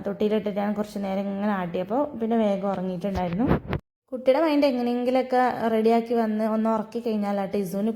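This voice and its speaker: A woman's voice: mid-range voice, dark tone. A young woman, telling her day in a chatty, storytelling vlog voice-over. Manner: chatty, storytelling, frequent tag "ട്ടോ". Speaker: vlogger.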